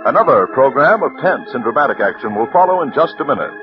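Lively-pitched male radio announcer. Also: fast. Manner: formal, declamatory. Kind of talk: scripted announcement. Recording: dull 1940s radio broadcast with music.

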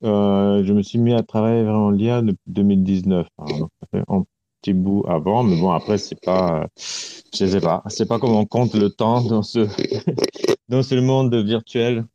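A man from Romania, a guest speaking in a halting way and searching for words, heard over a remote call connection. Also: lowish voice, steady tone, dark tone, dry recording. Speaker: artist guest. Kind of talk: casual interview talk. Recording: dull lo-fi call audio, dry.

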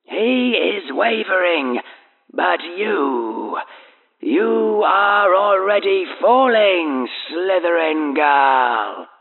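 A man voicing an unseen, whispering male presence that speaks slowly, with a soft hissing menace. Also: high voice, very animated, gravelly, phone-quality sound, pitched above the performer's own voice, exaggerated voice. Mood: ominous. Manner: slow, drawn-out, menacing.

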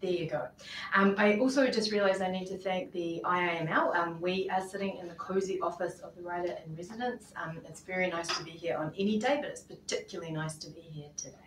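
A woman's voice: lowish voice, fast. A woman hosting a live podcast interview in a small office, chatty, with many ums and laughs. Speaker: podcast host. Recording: roomy, distant mic, faint noise.

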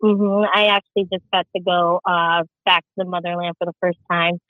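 A woman's voice: lowish voice, little pitch movement, normal speed, no room sound. Woman in her thirties on a phone line. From Arizona, USA. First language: Tagalog. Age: 30s. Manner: chatty, with many fillers. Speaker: guest, shop owner. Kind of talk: casual interview chat. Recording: tinny phone-line audio.

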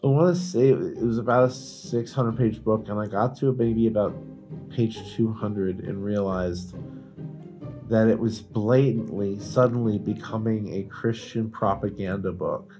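A man with a fairly low voice chats as a podcast co-host. He tells stories loosely and emphatically, with salty informal language, and faint music sits behind him. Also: steady tone, a little slow. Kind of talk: casual banter and storytelling.

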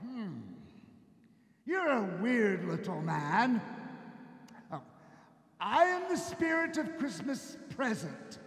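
A man's voice: very high-pitched, very animated, slow, long pauses, heavily acted. A man playing a jolly, teasing giant Christmas spirit in a stage radio play, with a hearty theatrical delivery full of chuckles. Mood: jovial, welcoming. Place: theater stage before an audience. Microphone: shared stage microphone. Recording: echoey live stage hall with long reverb.

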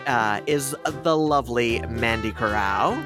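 A tired, jet-lagged man chatting casually and haltingly as a podcast host. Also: medium pitch, over music.

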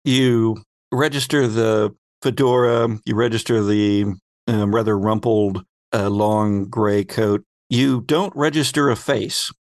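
A man acting as game master, narrating an improvised tabletop game descriptively and pausing to find his words. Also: lowish voice, fairly even intonation, darkish tone, no room sound, clean studio sound.

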